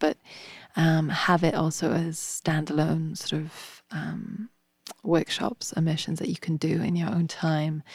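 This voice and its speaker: A woman's fairly low, somewhat breathy voice with a dark, mellow tone, a flat monotone and a fairly slow pace, in a dry, close recording with no echo. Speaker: podcast host and women's workshop facilitator. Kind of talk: solo podcast monologue. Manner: frequent laughter and filler words.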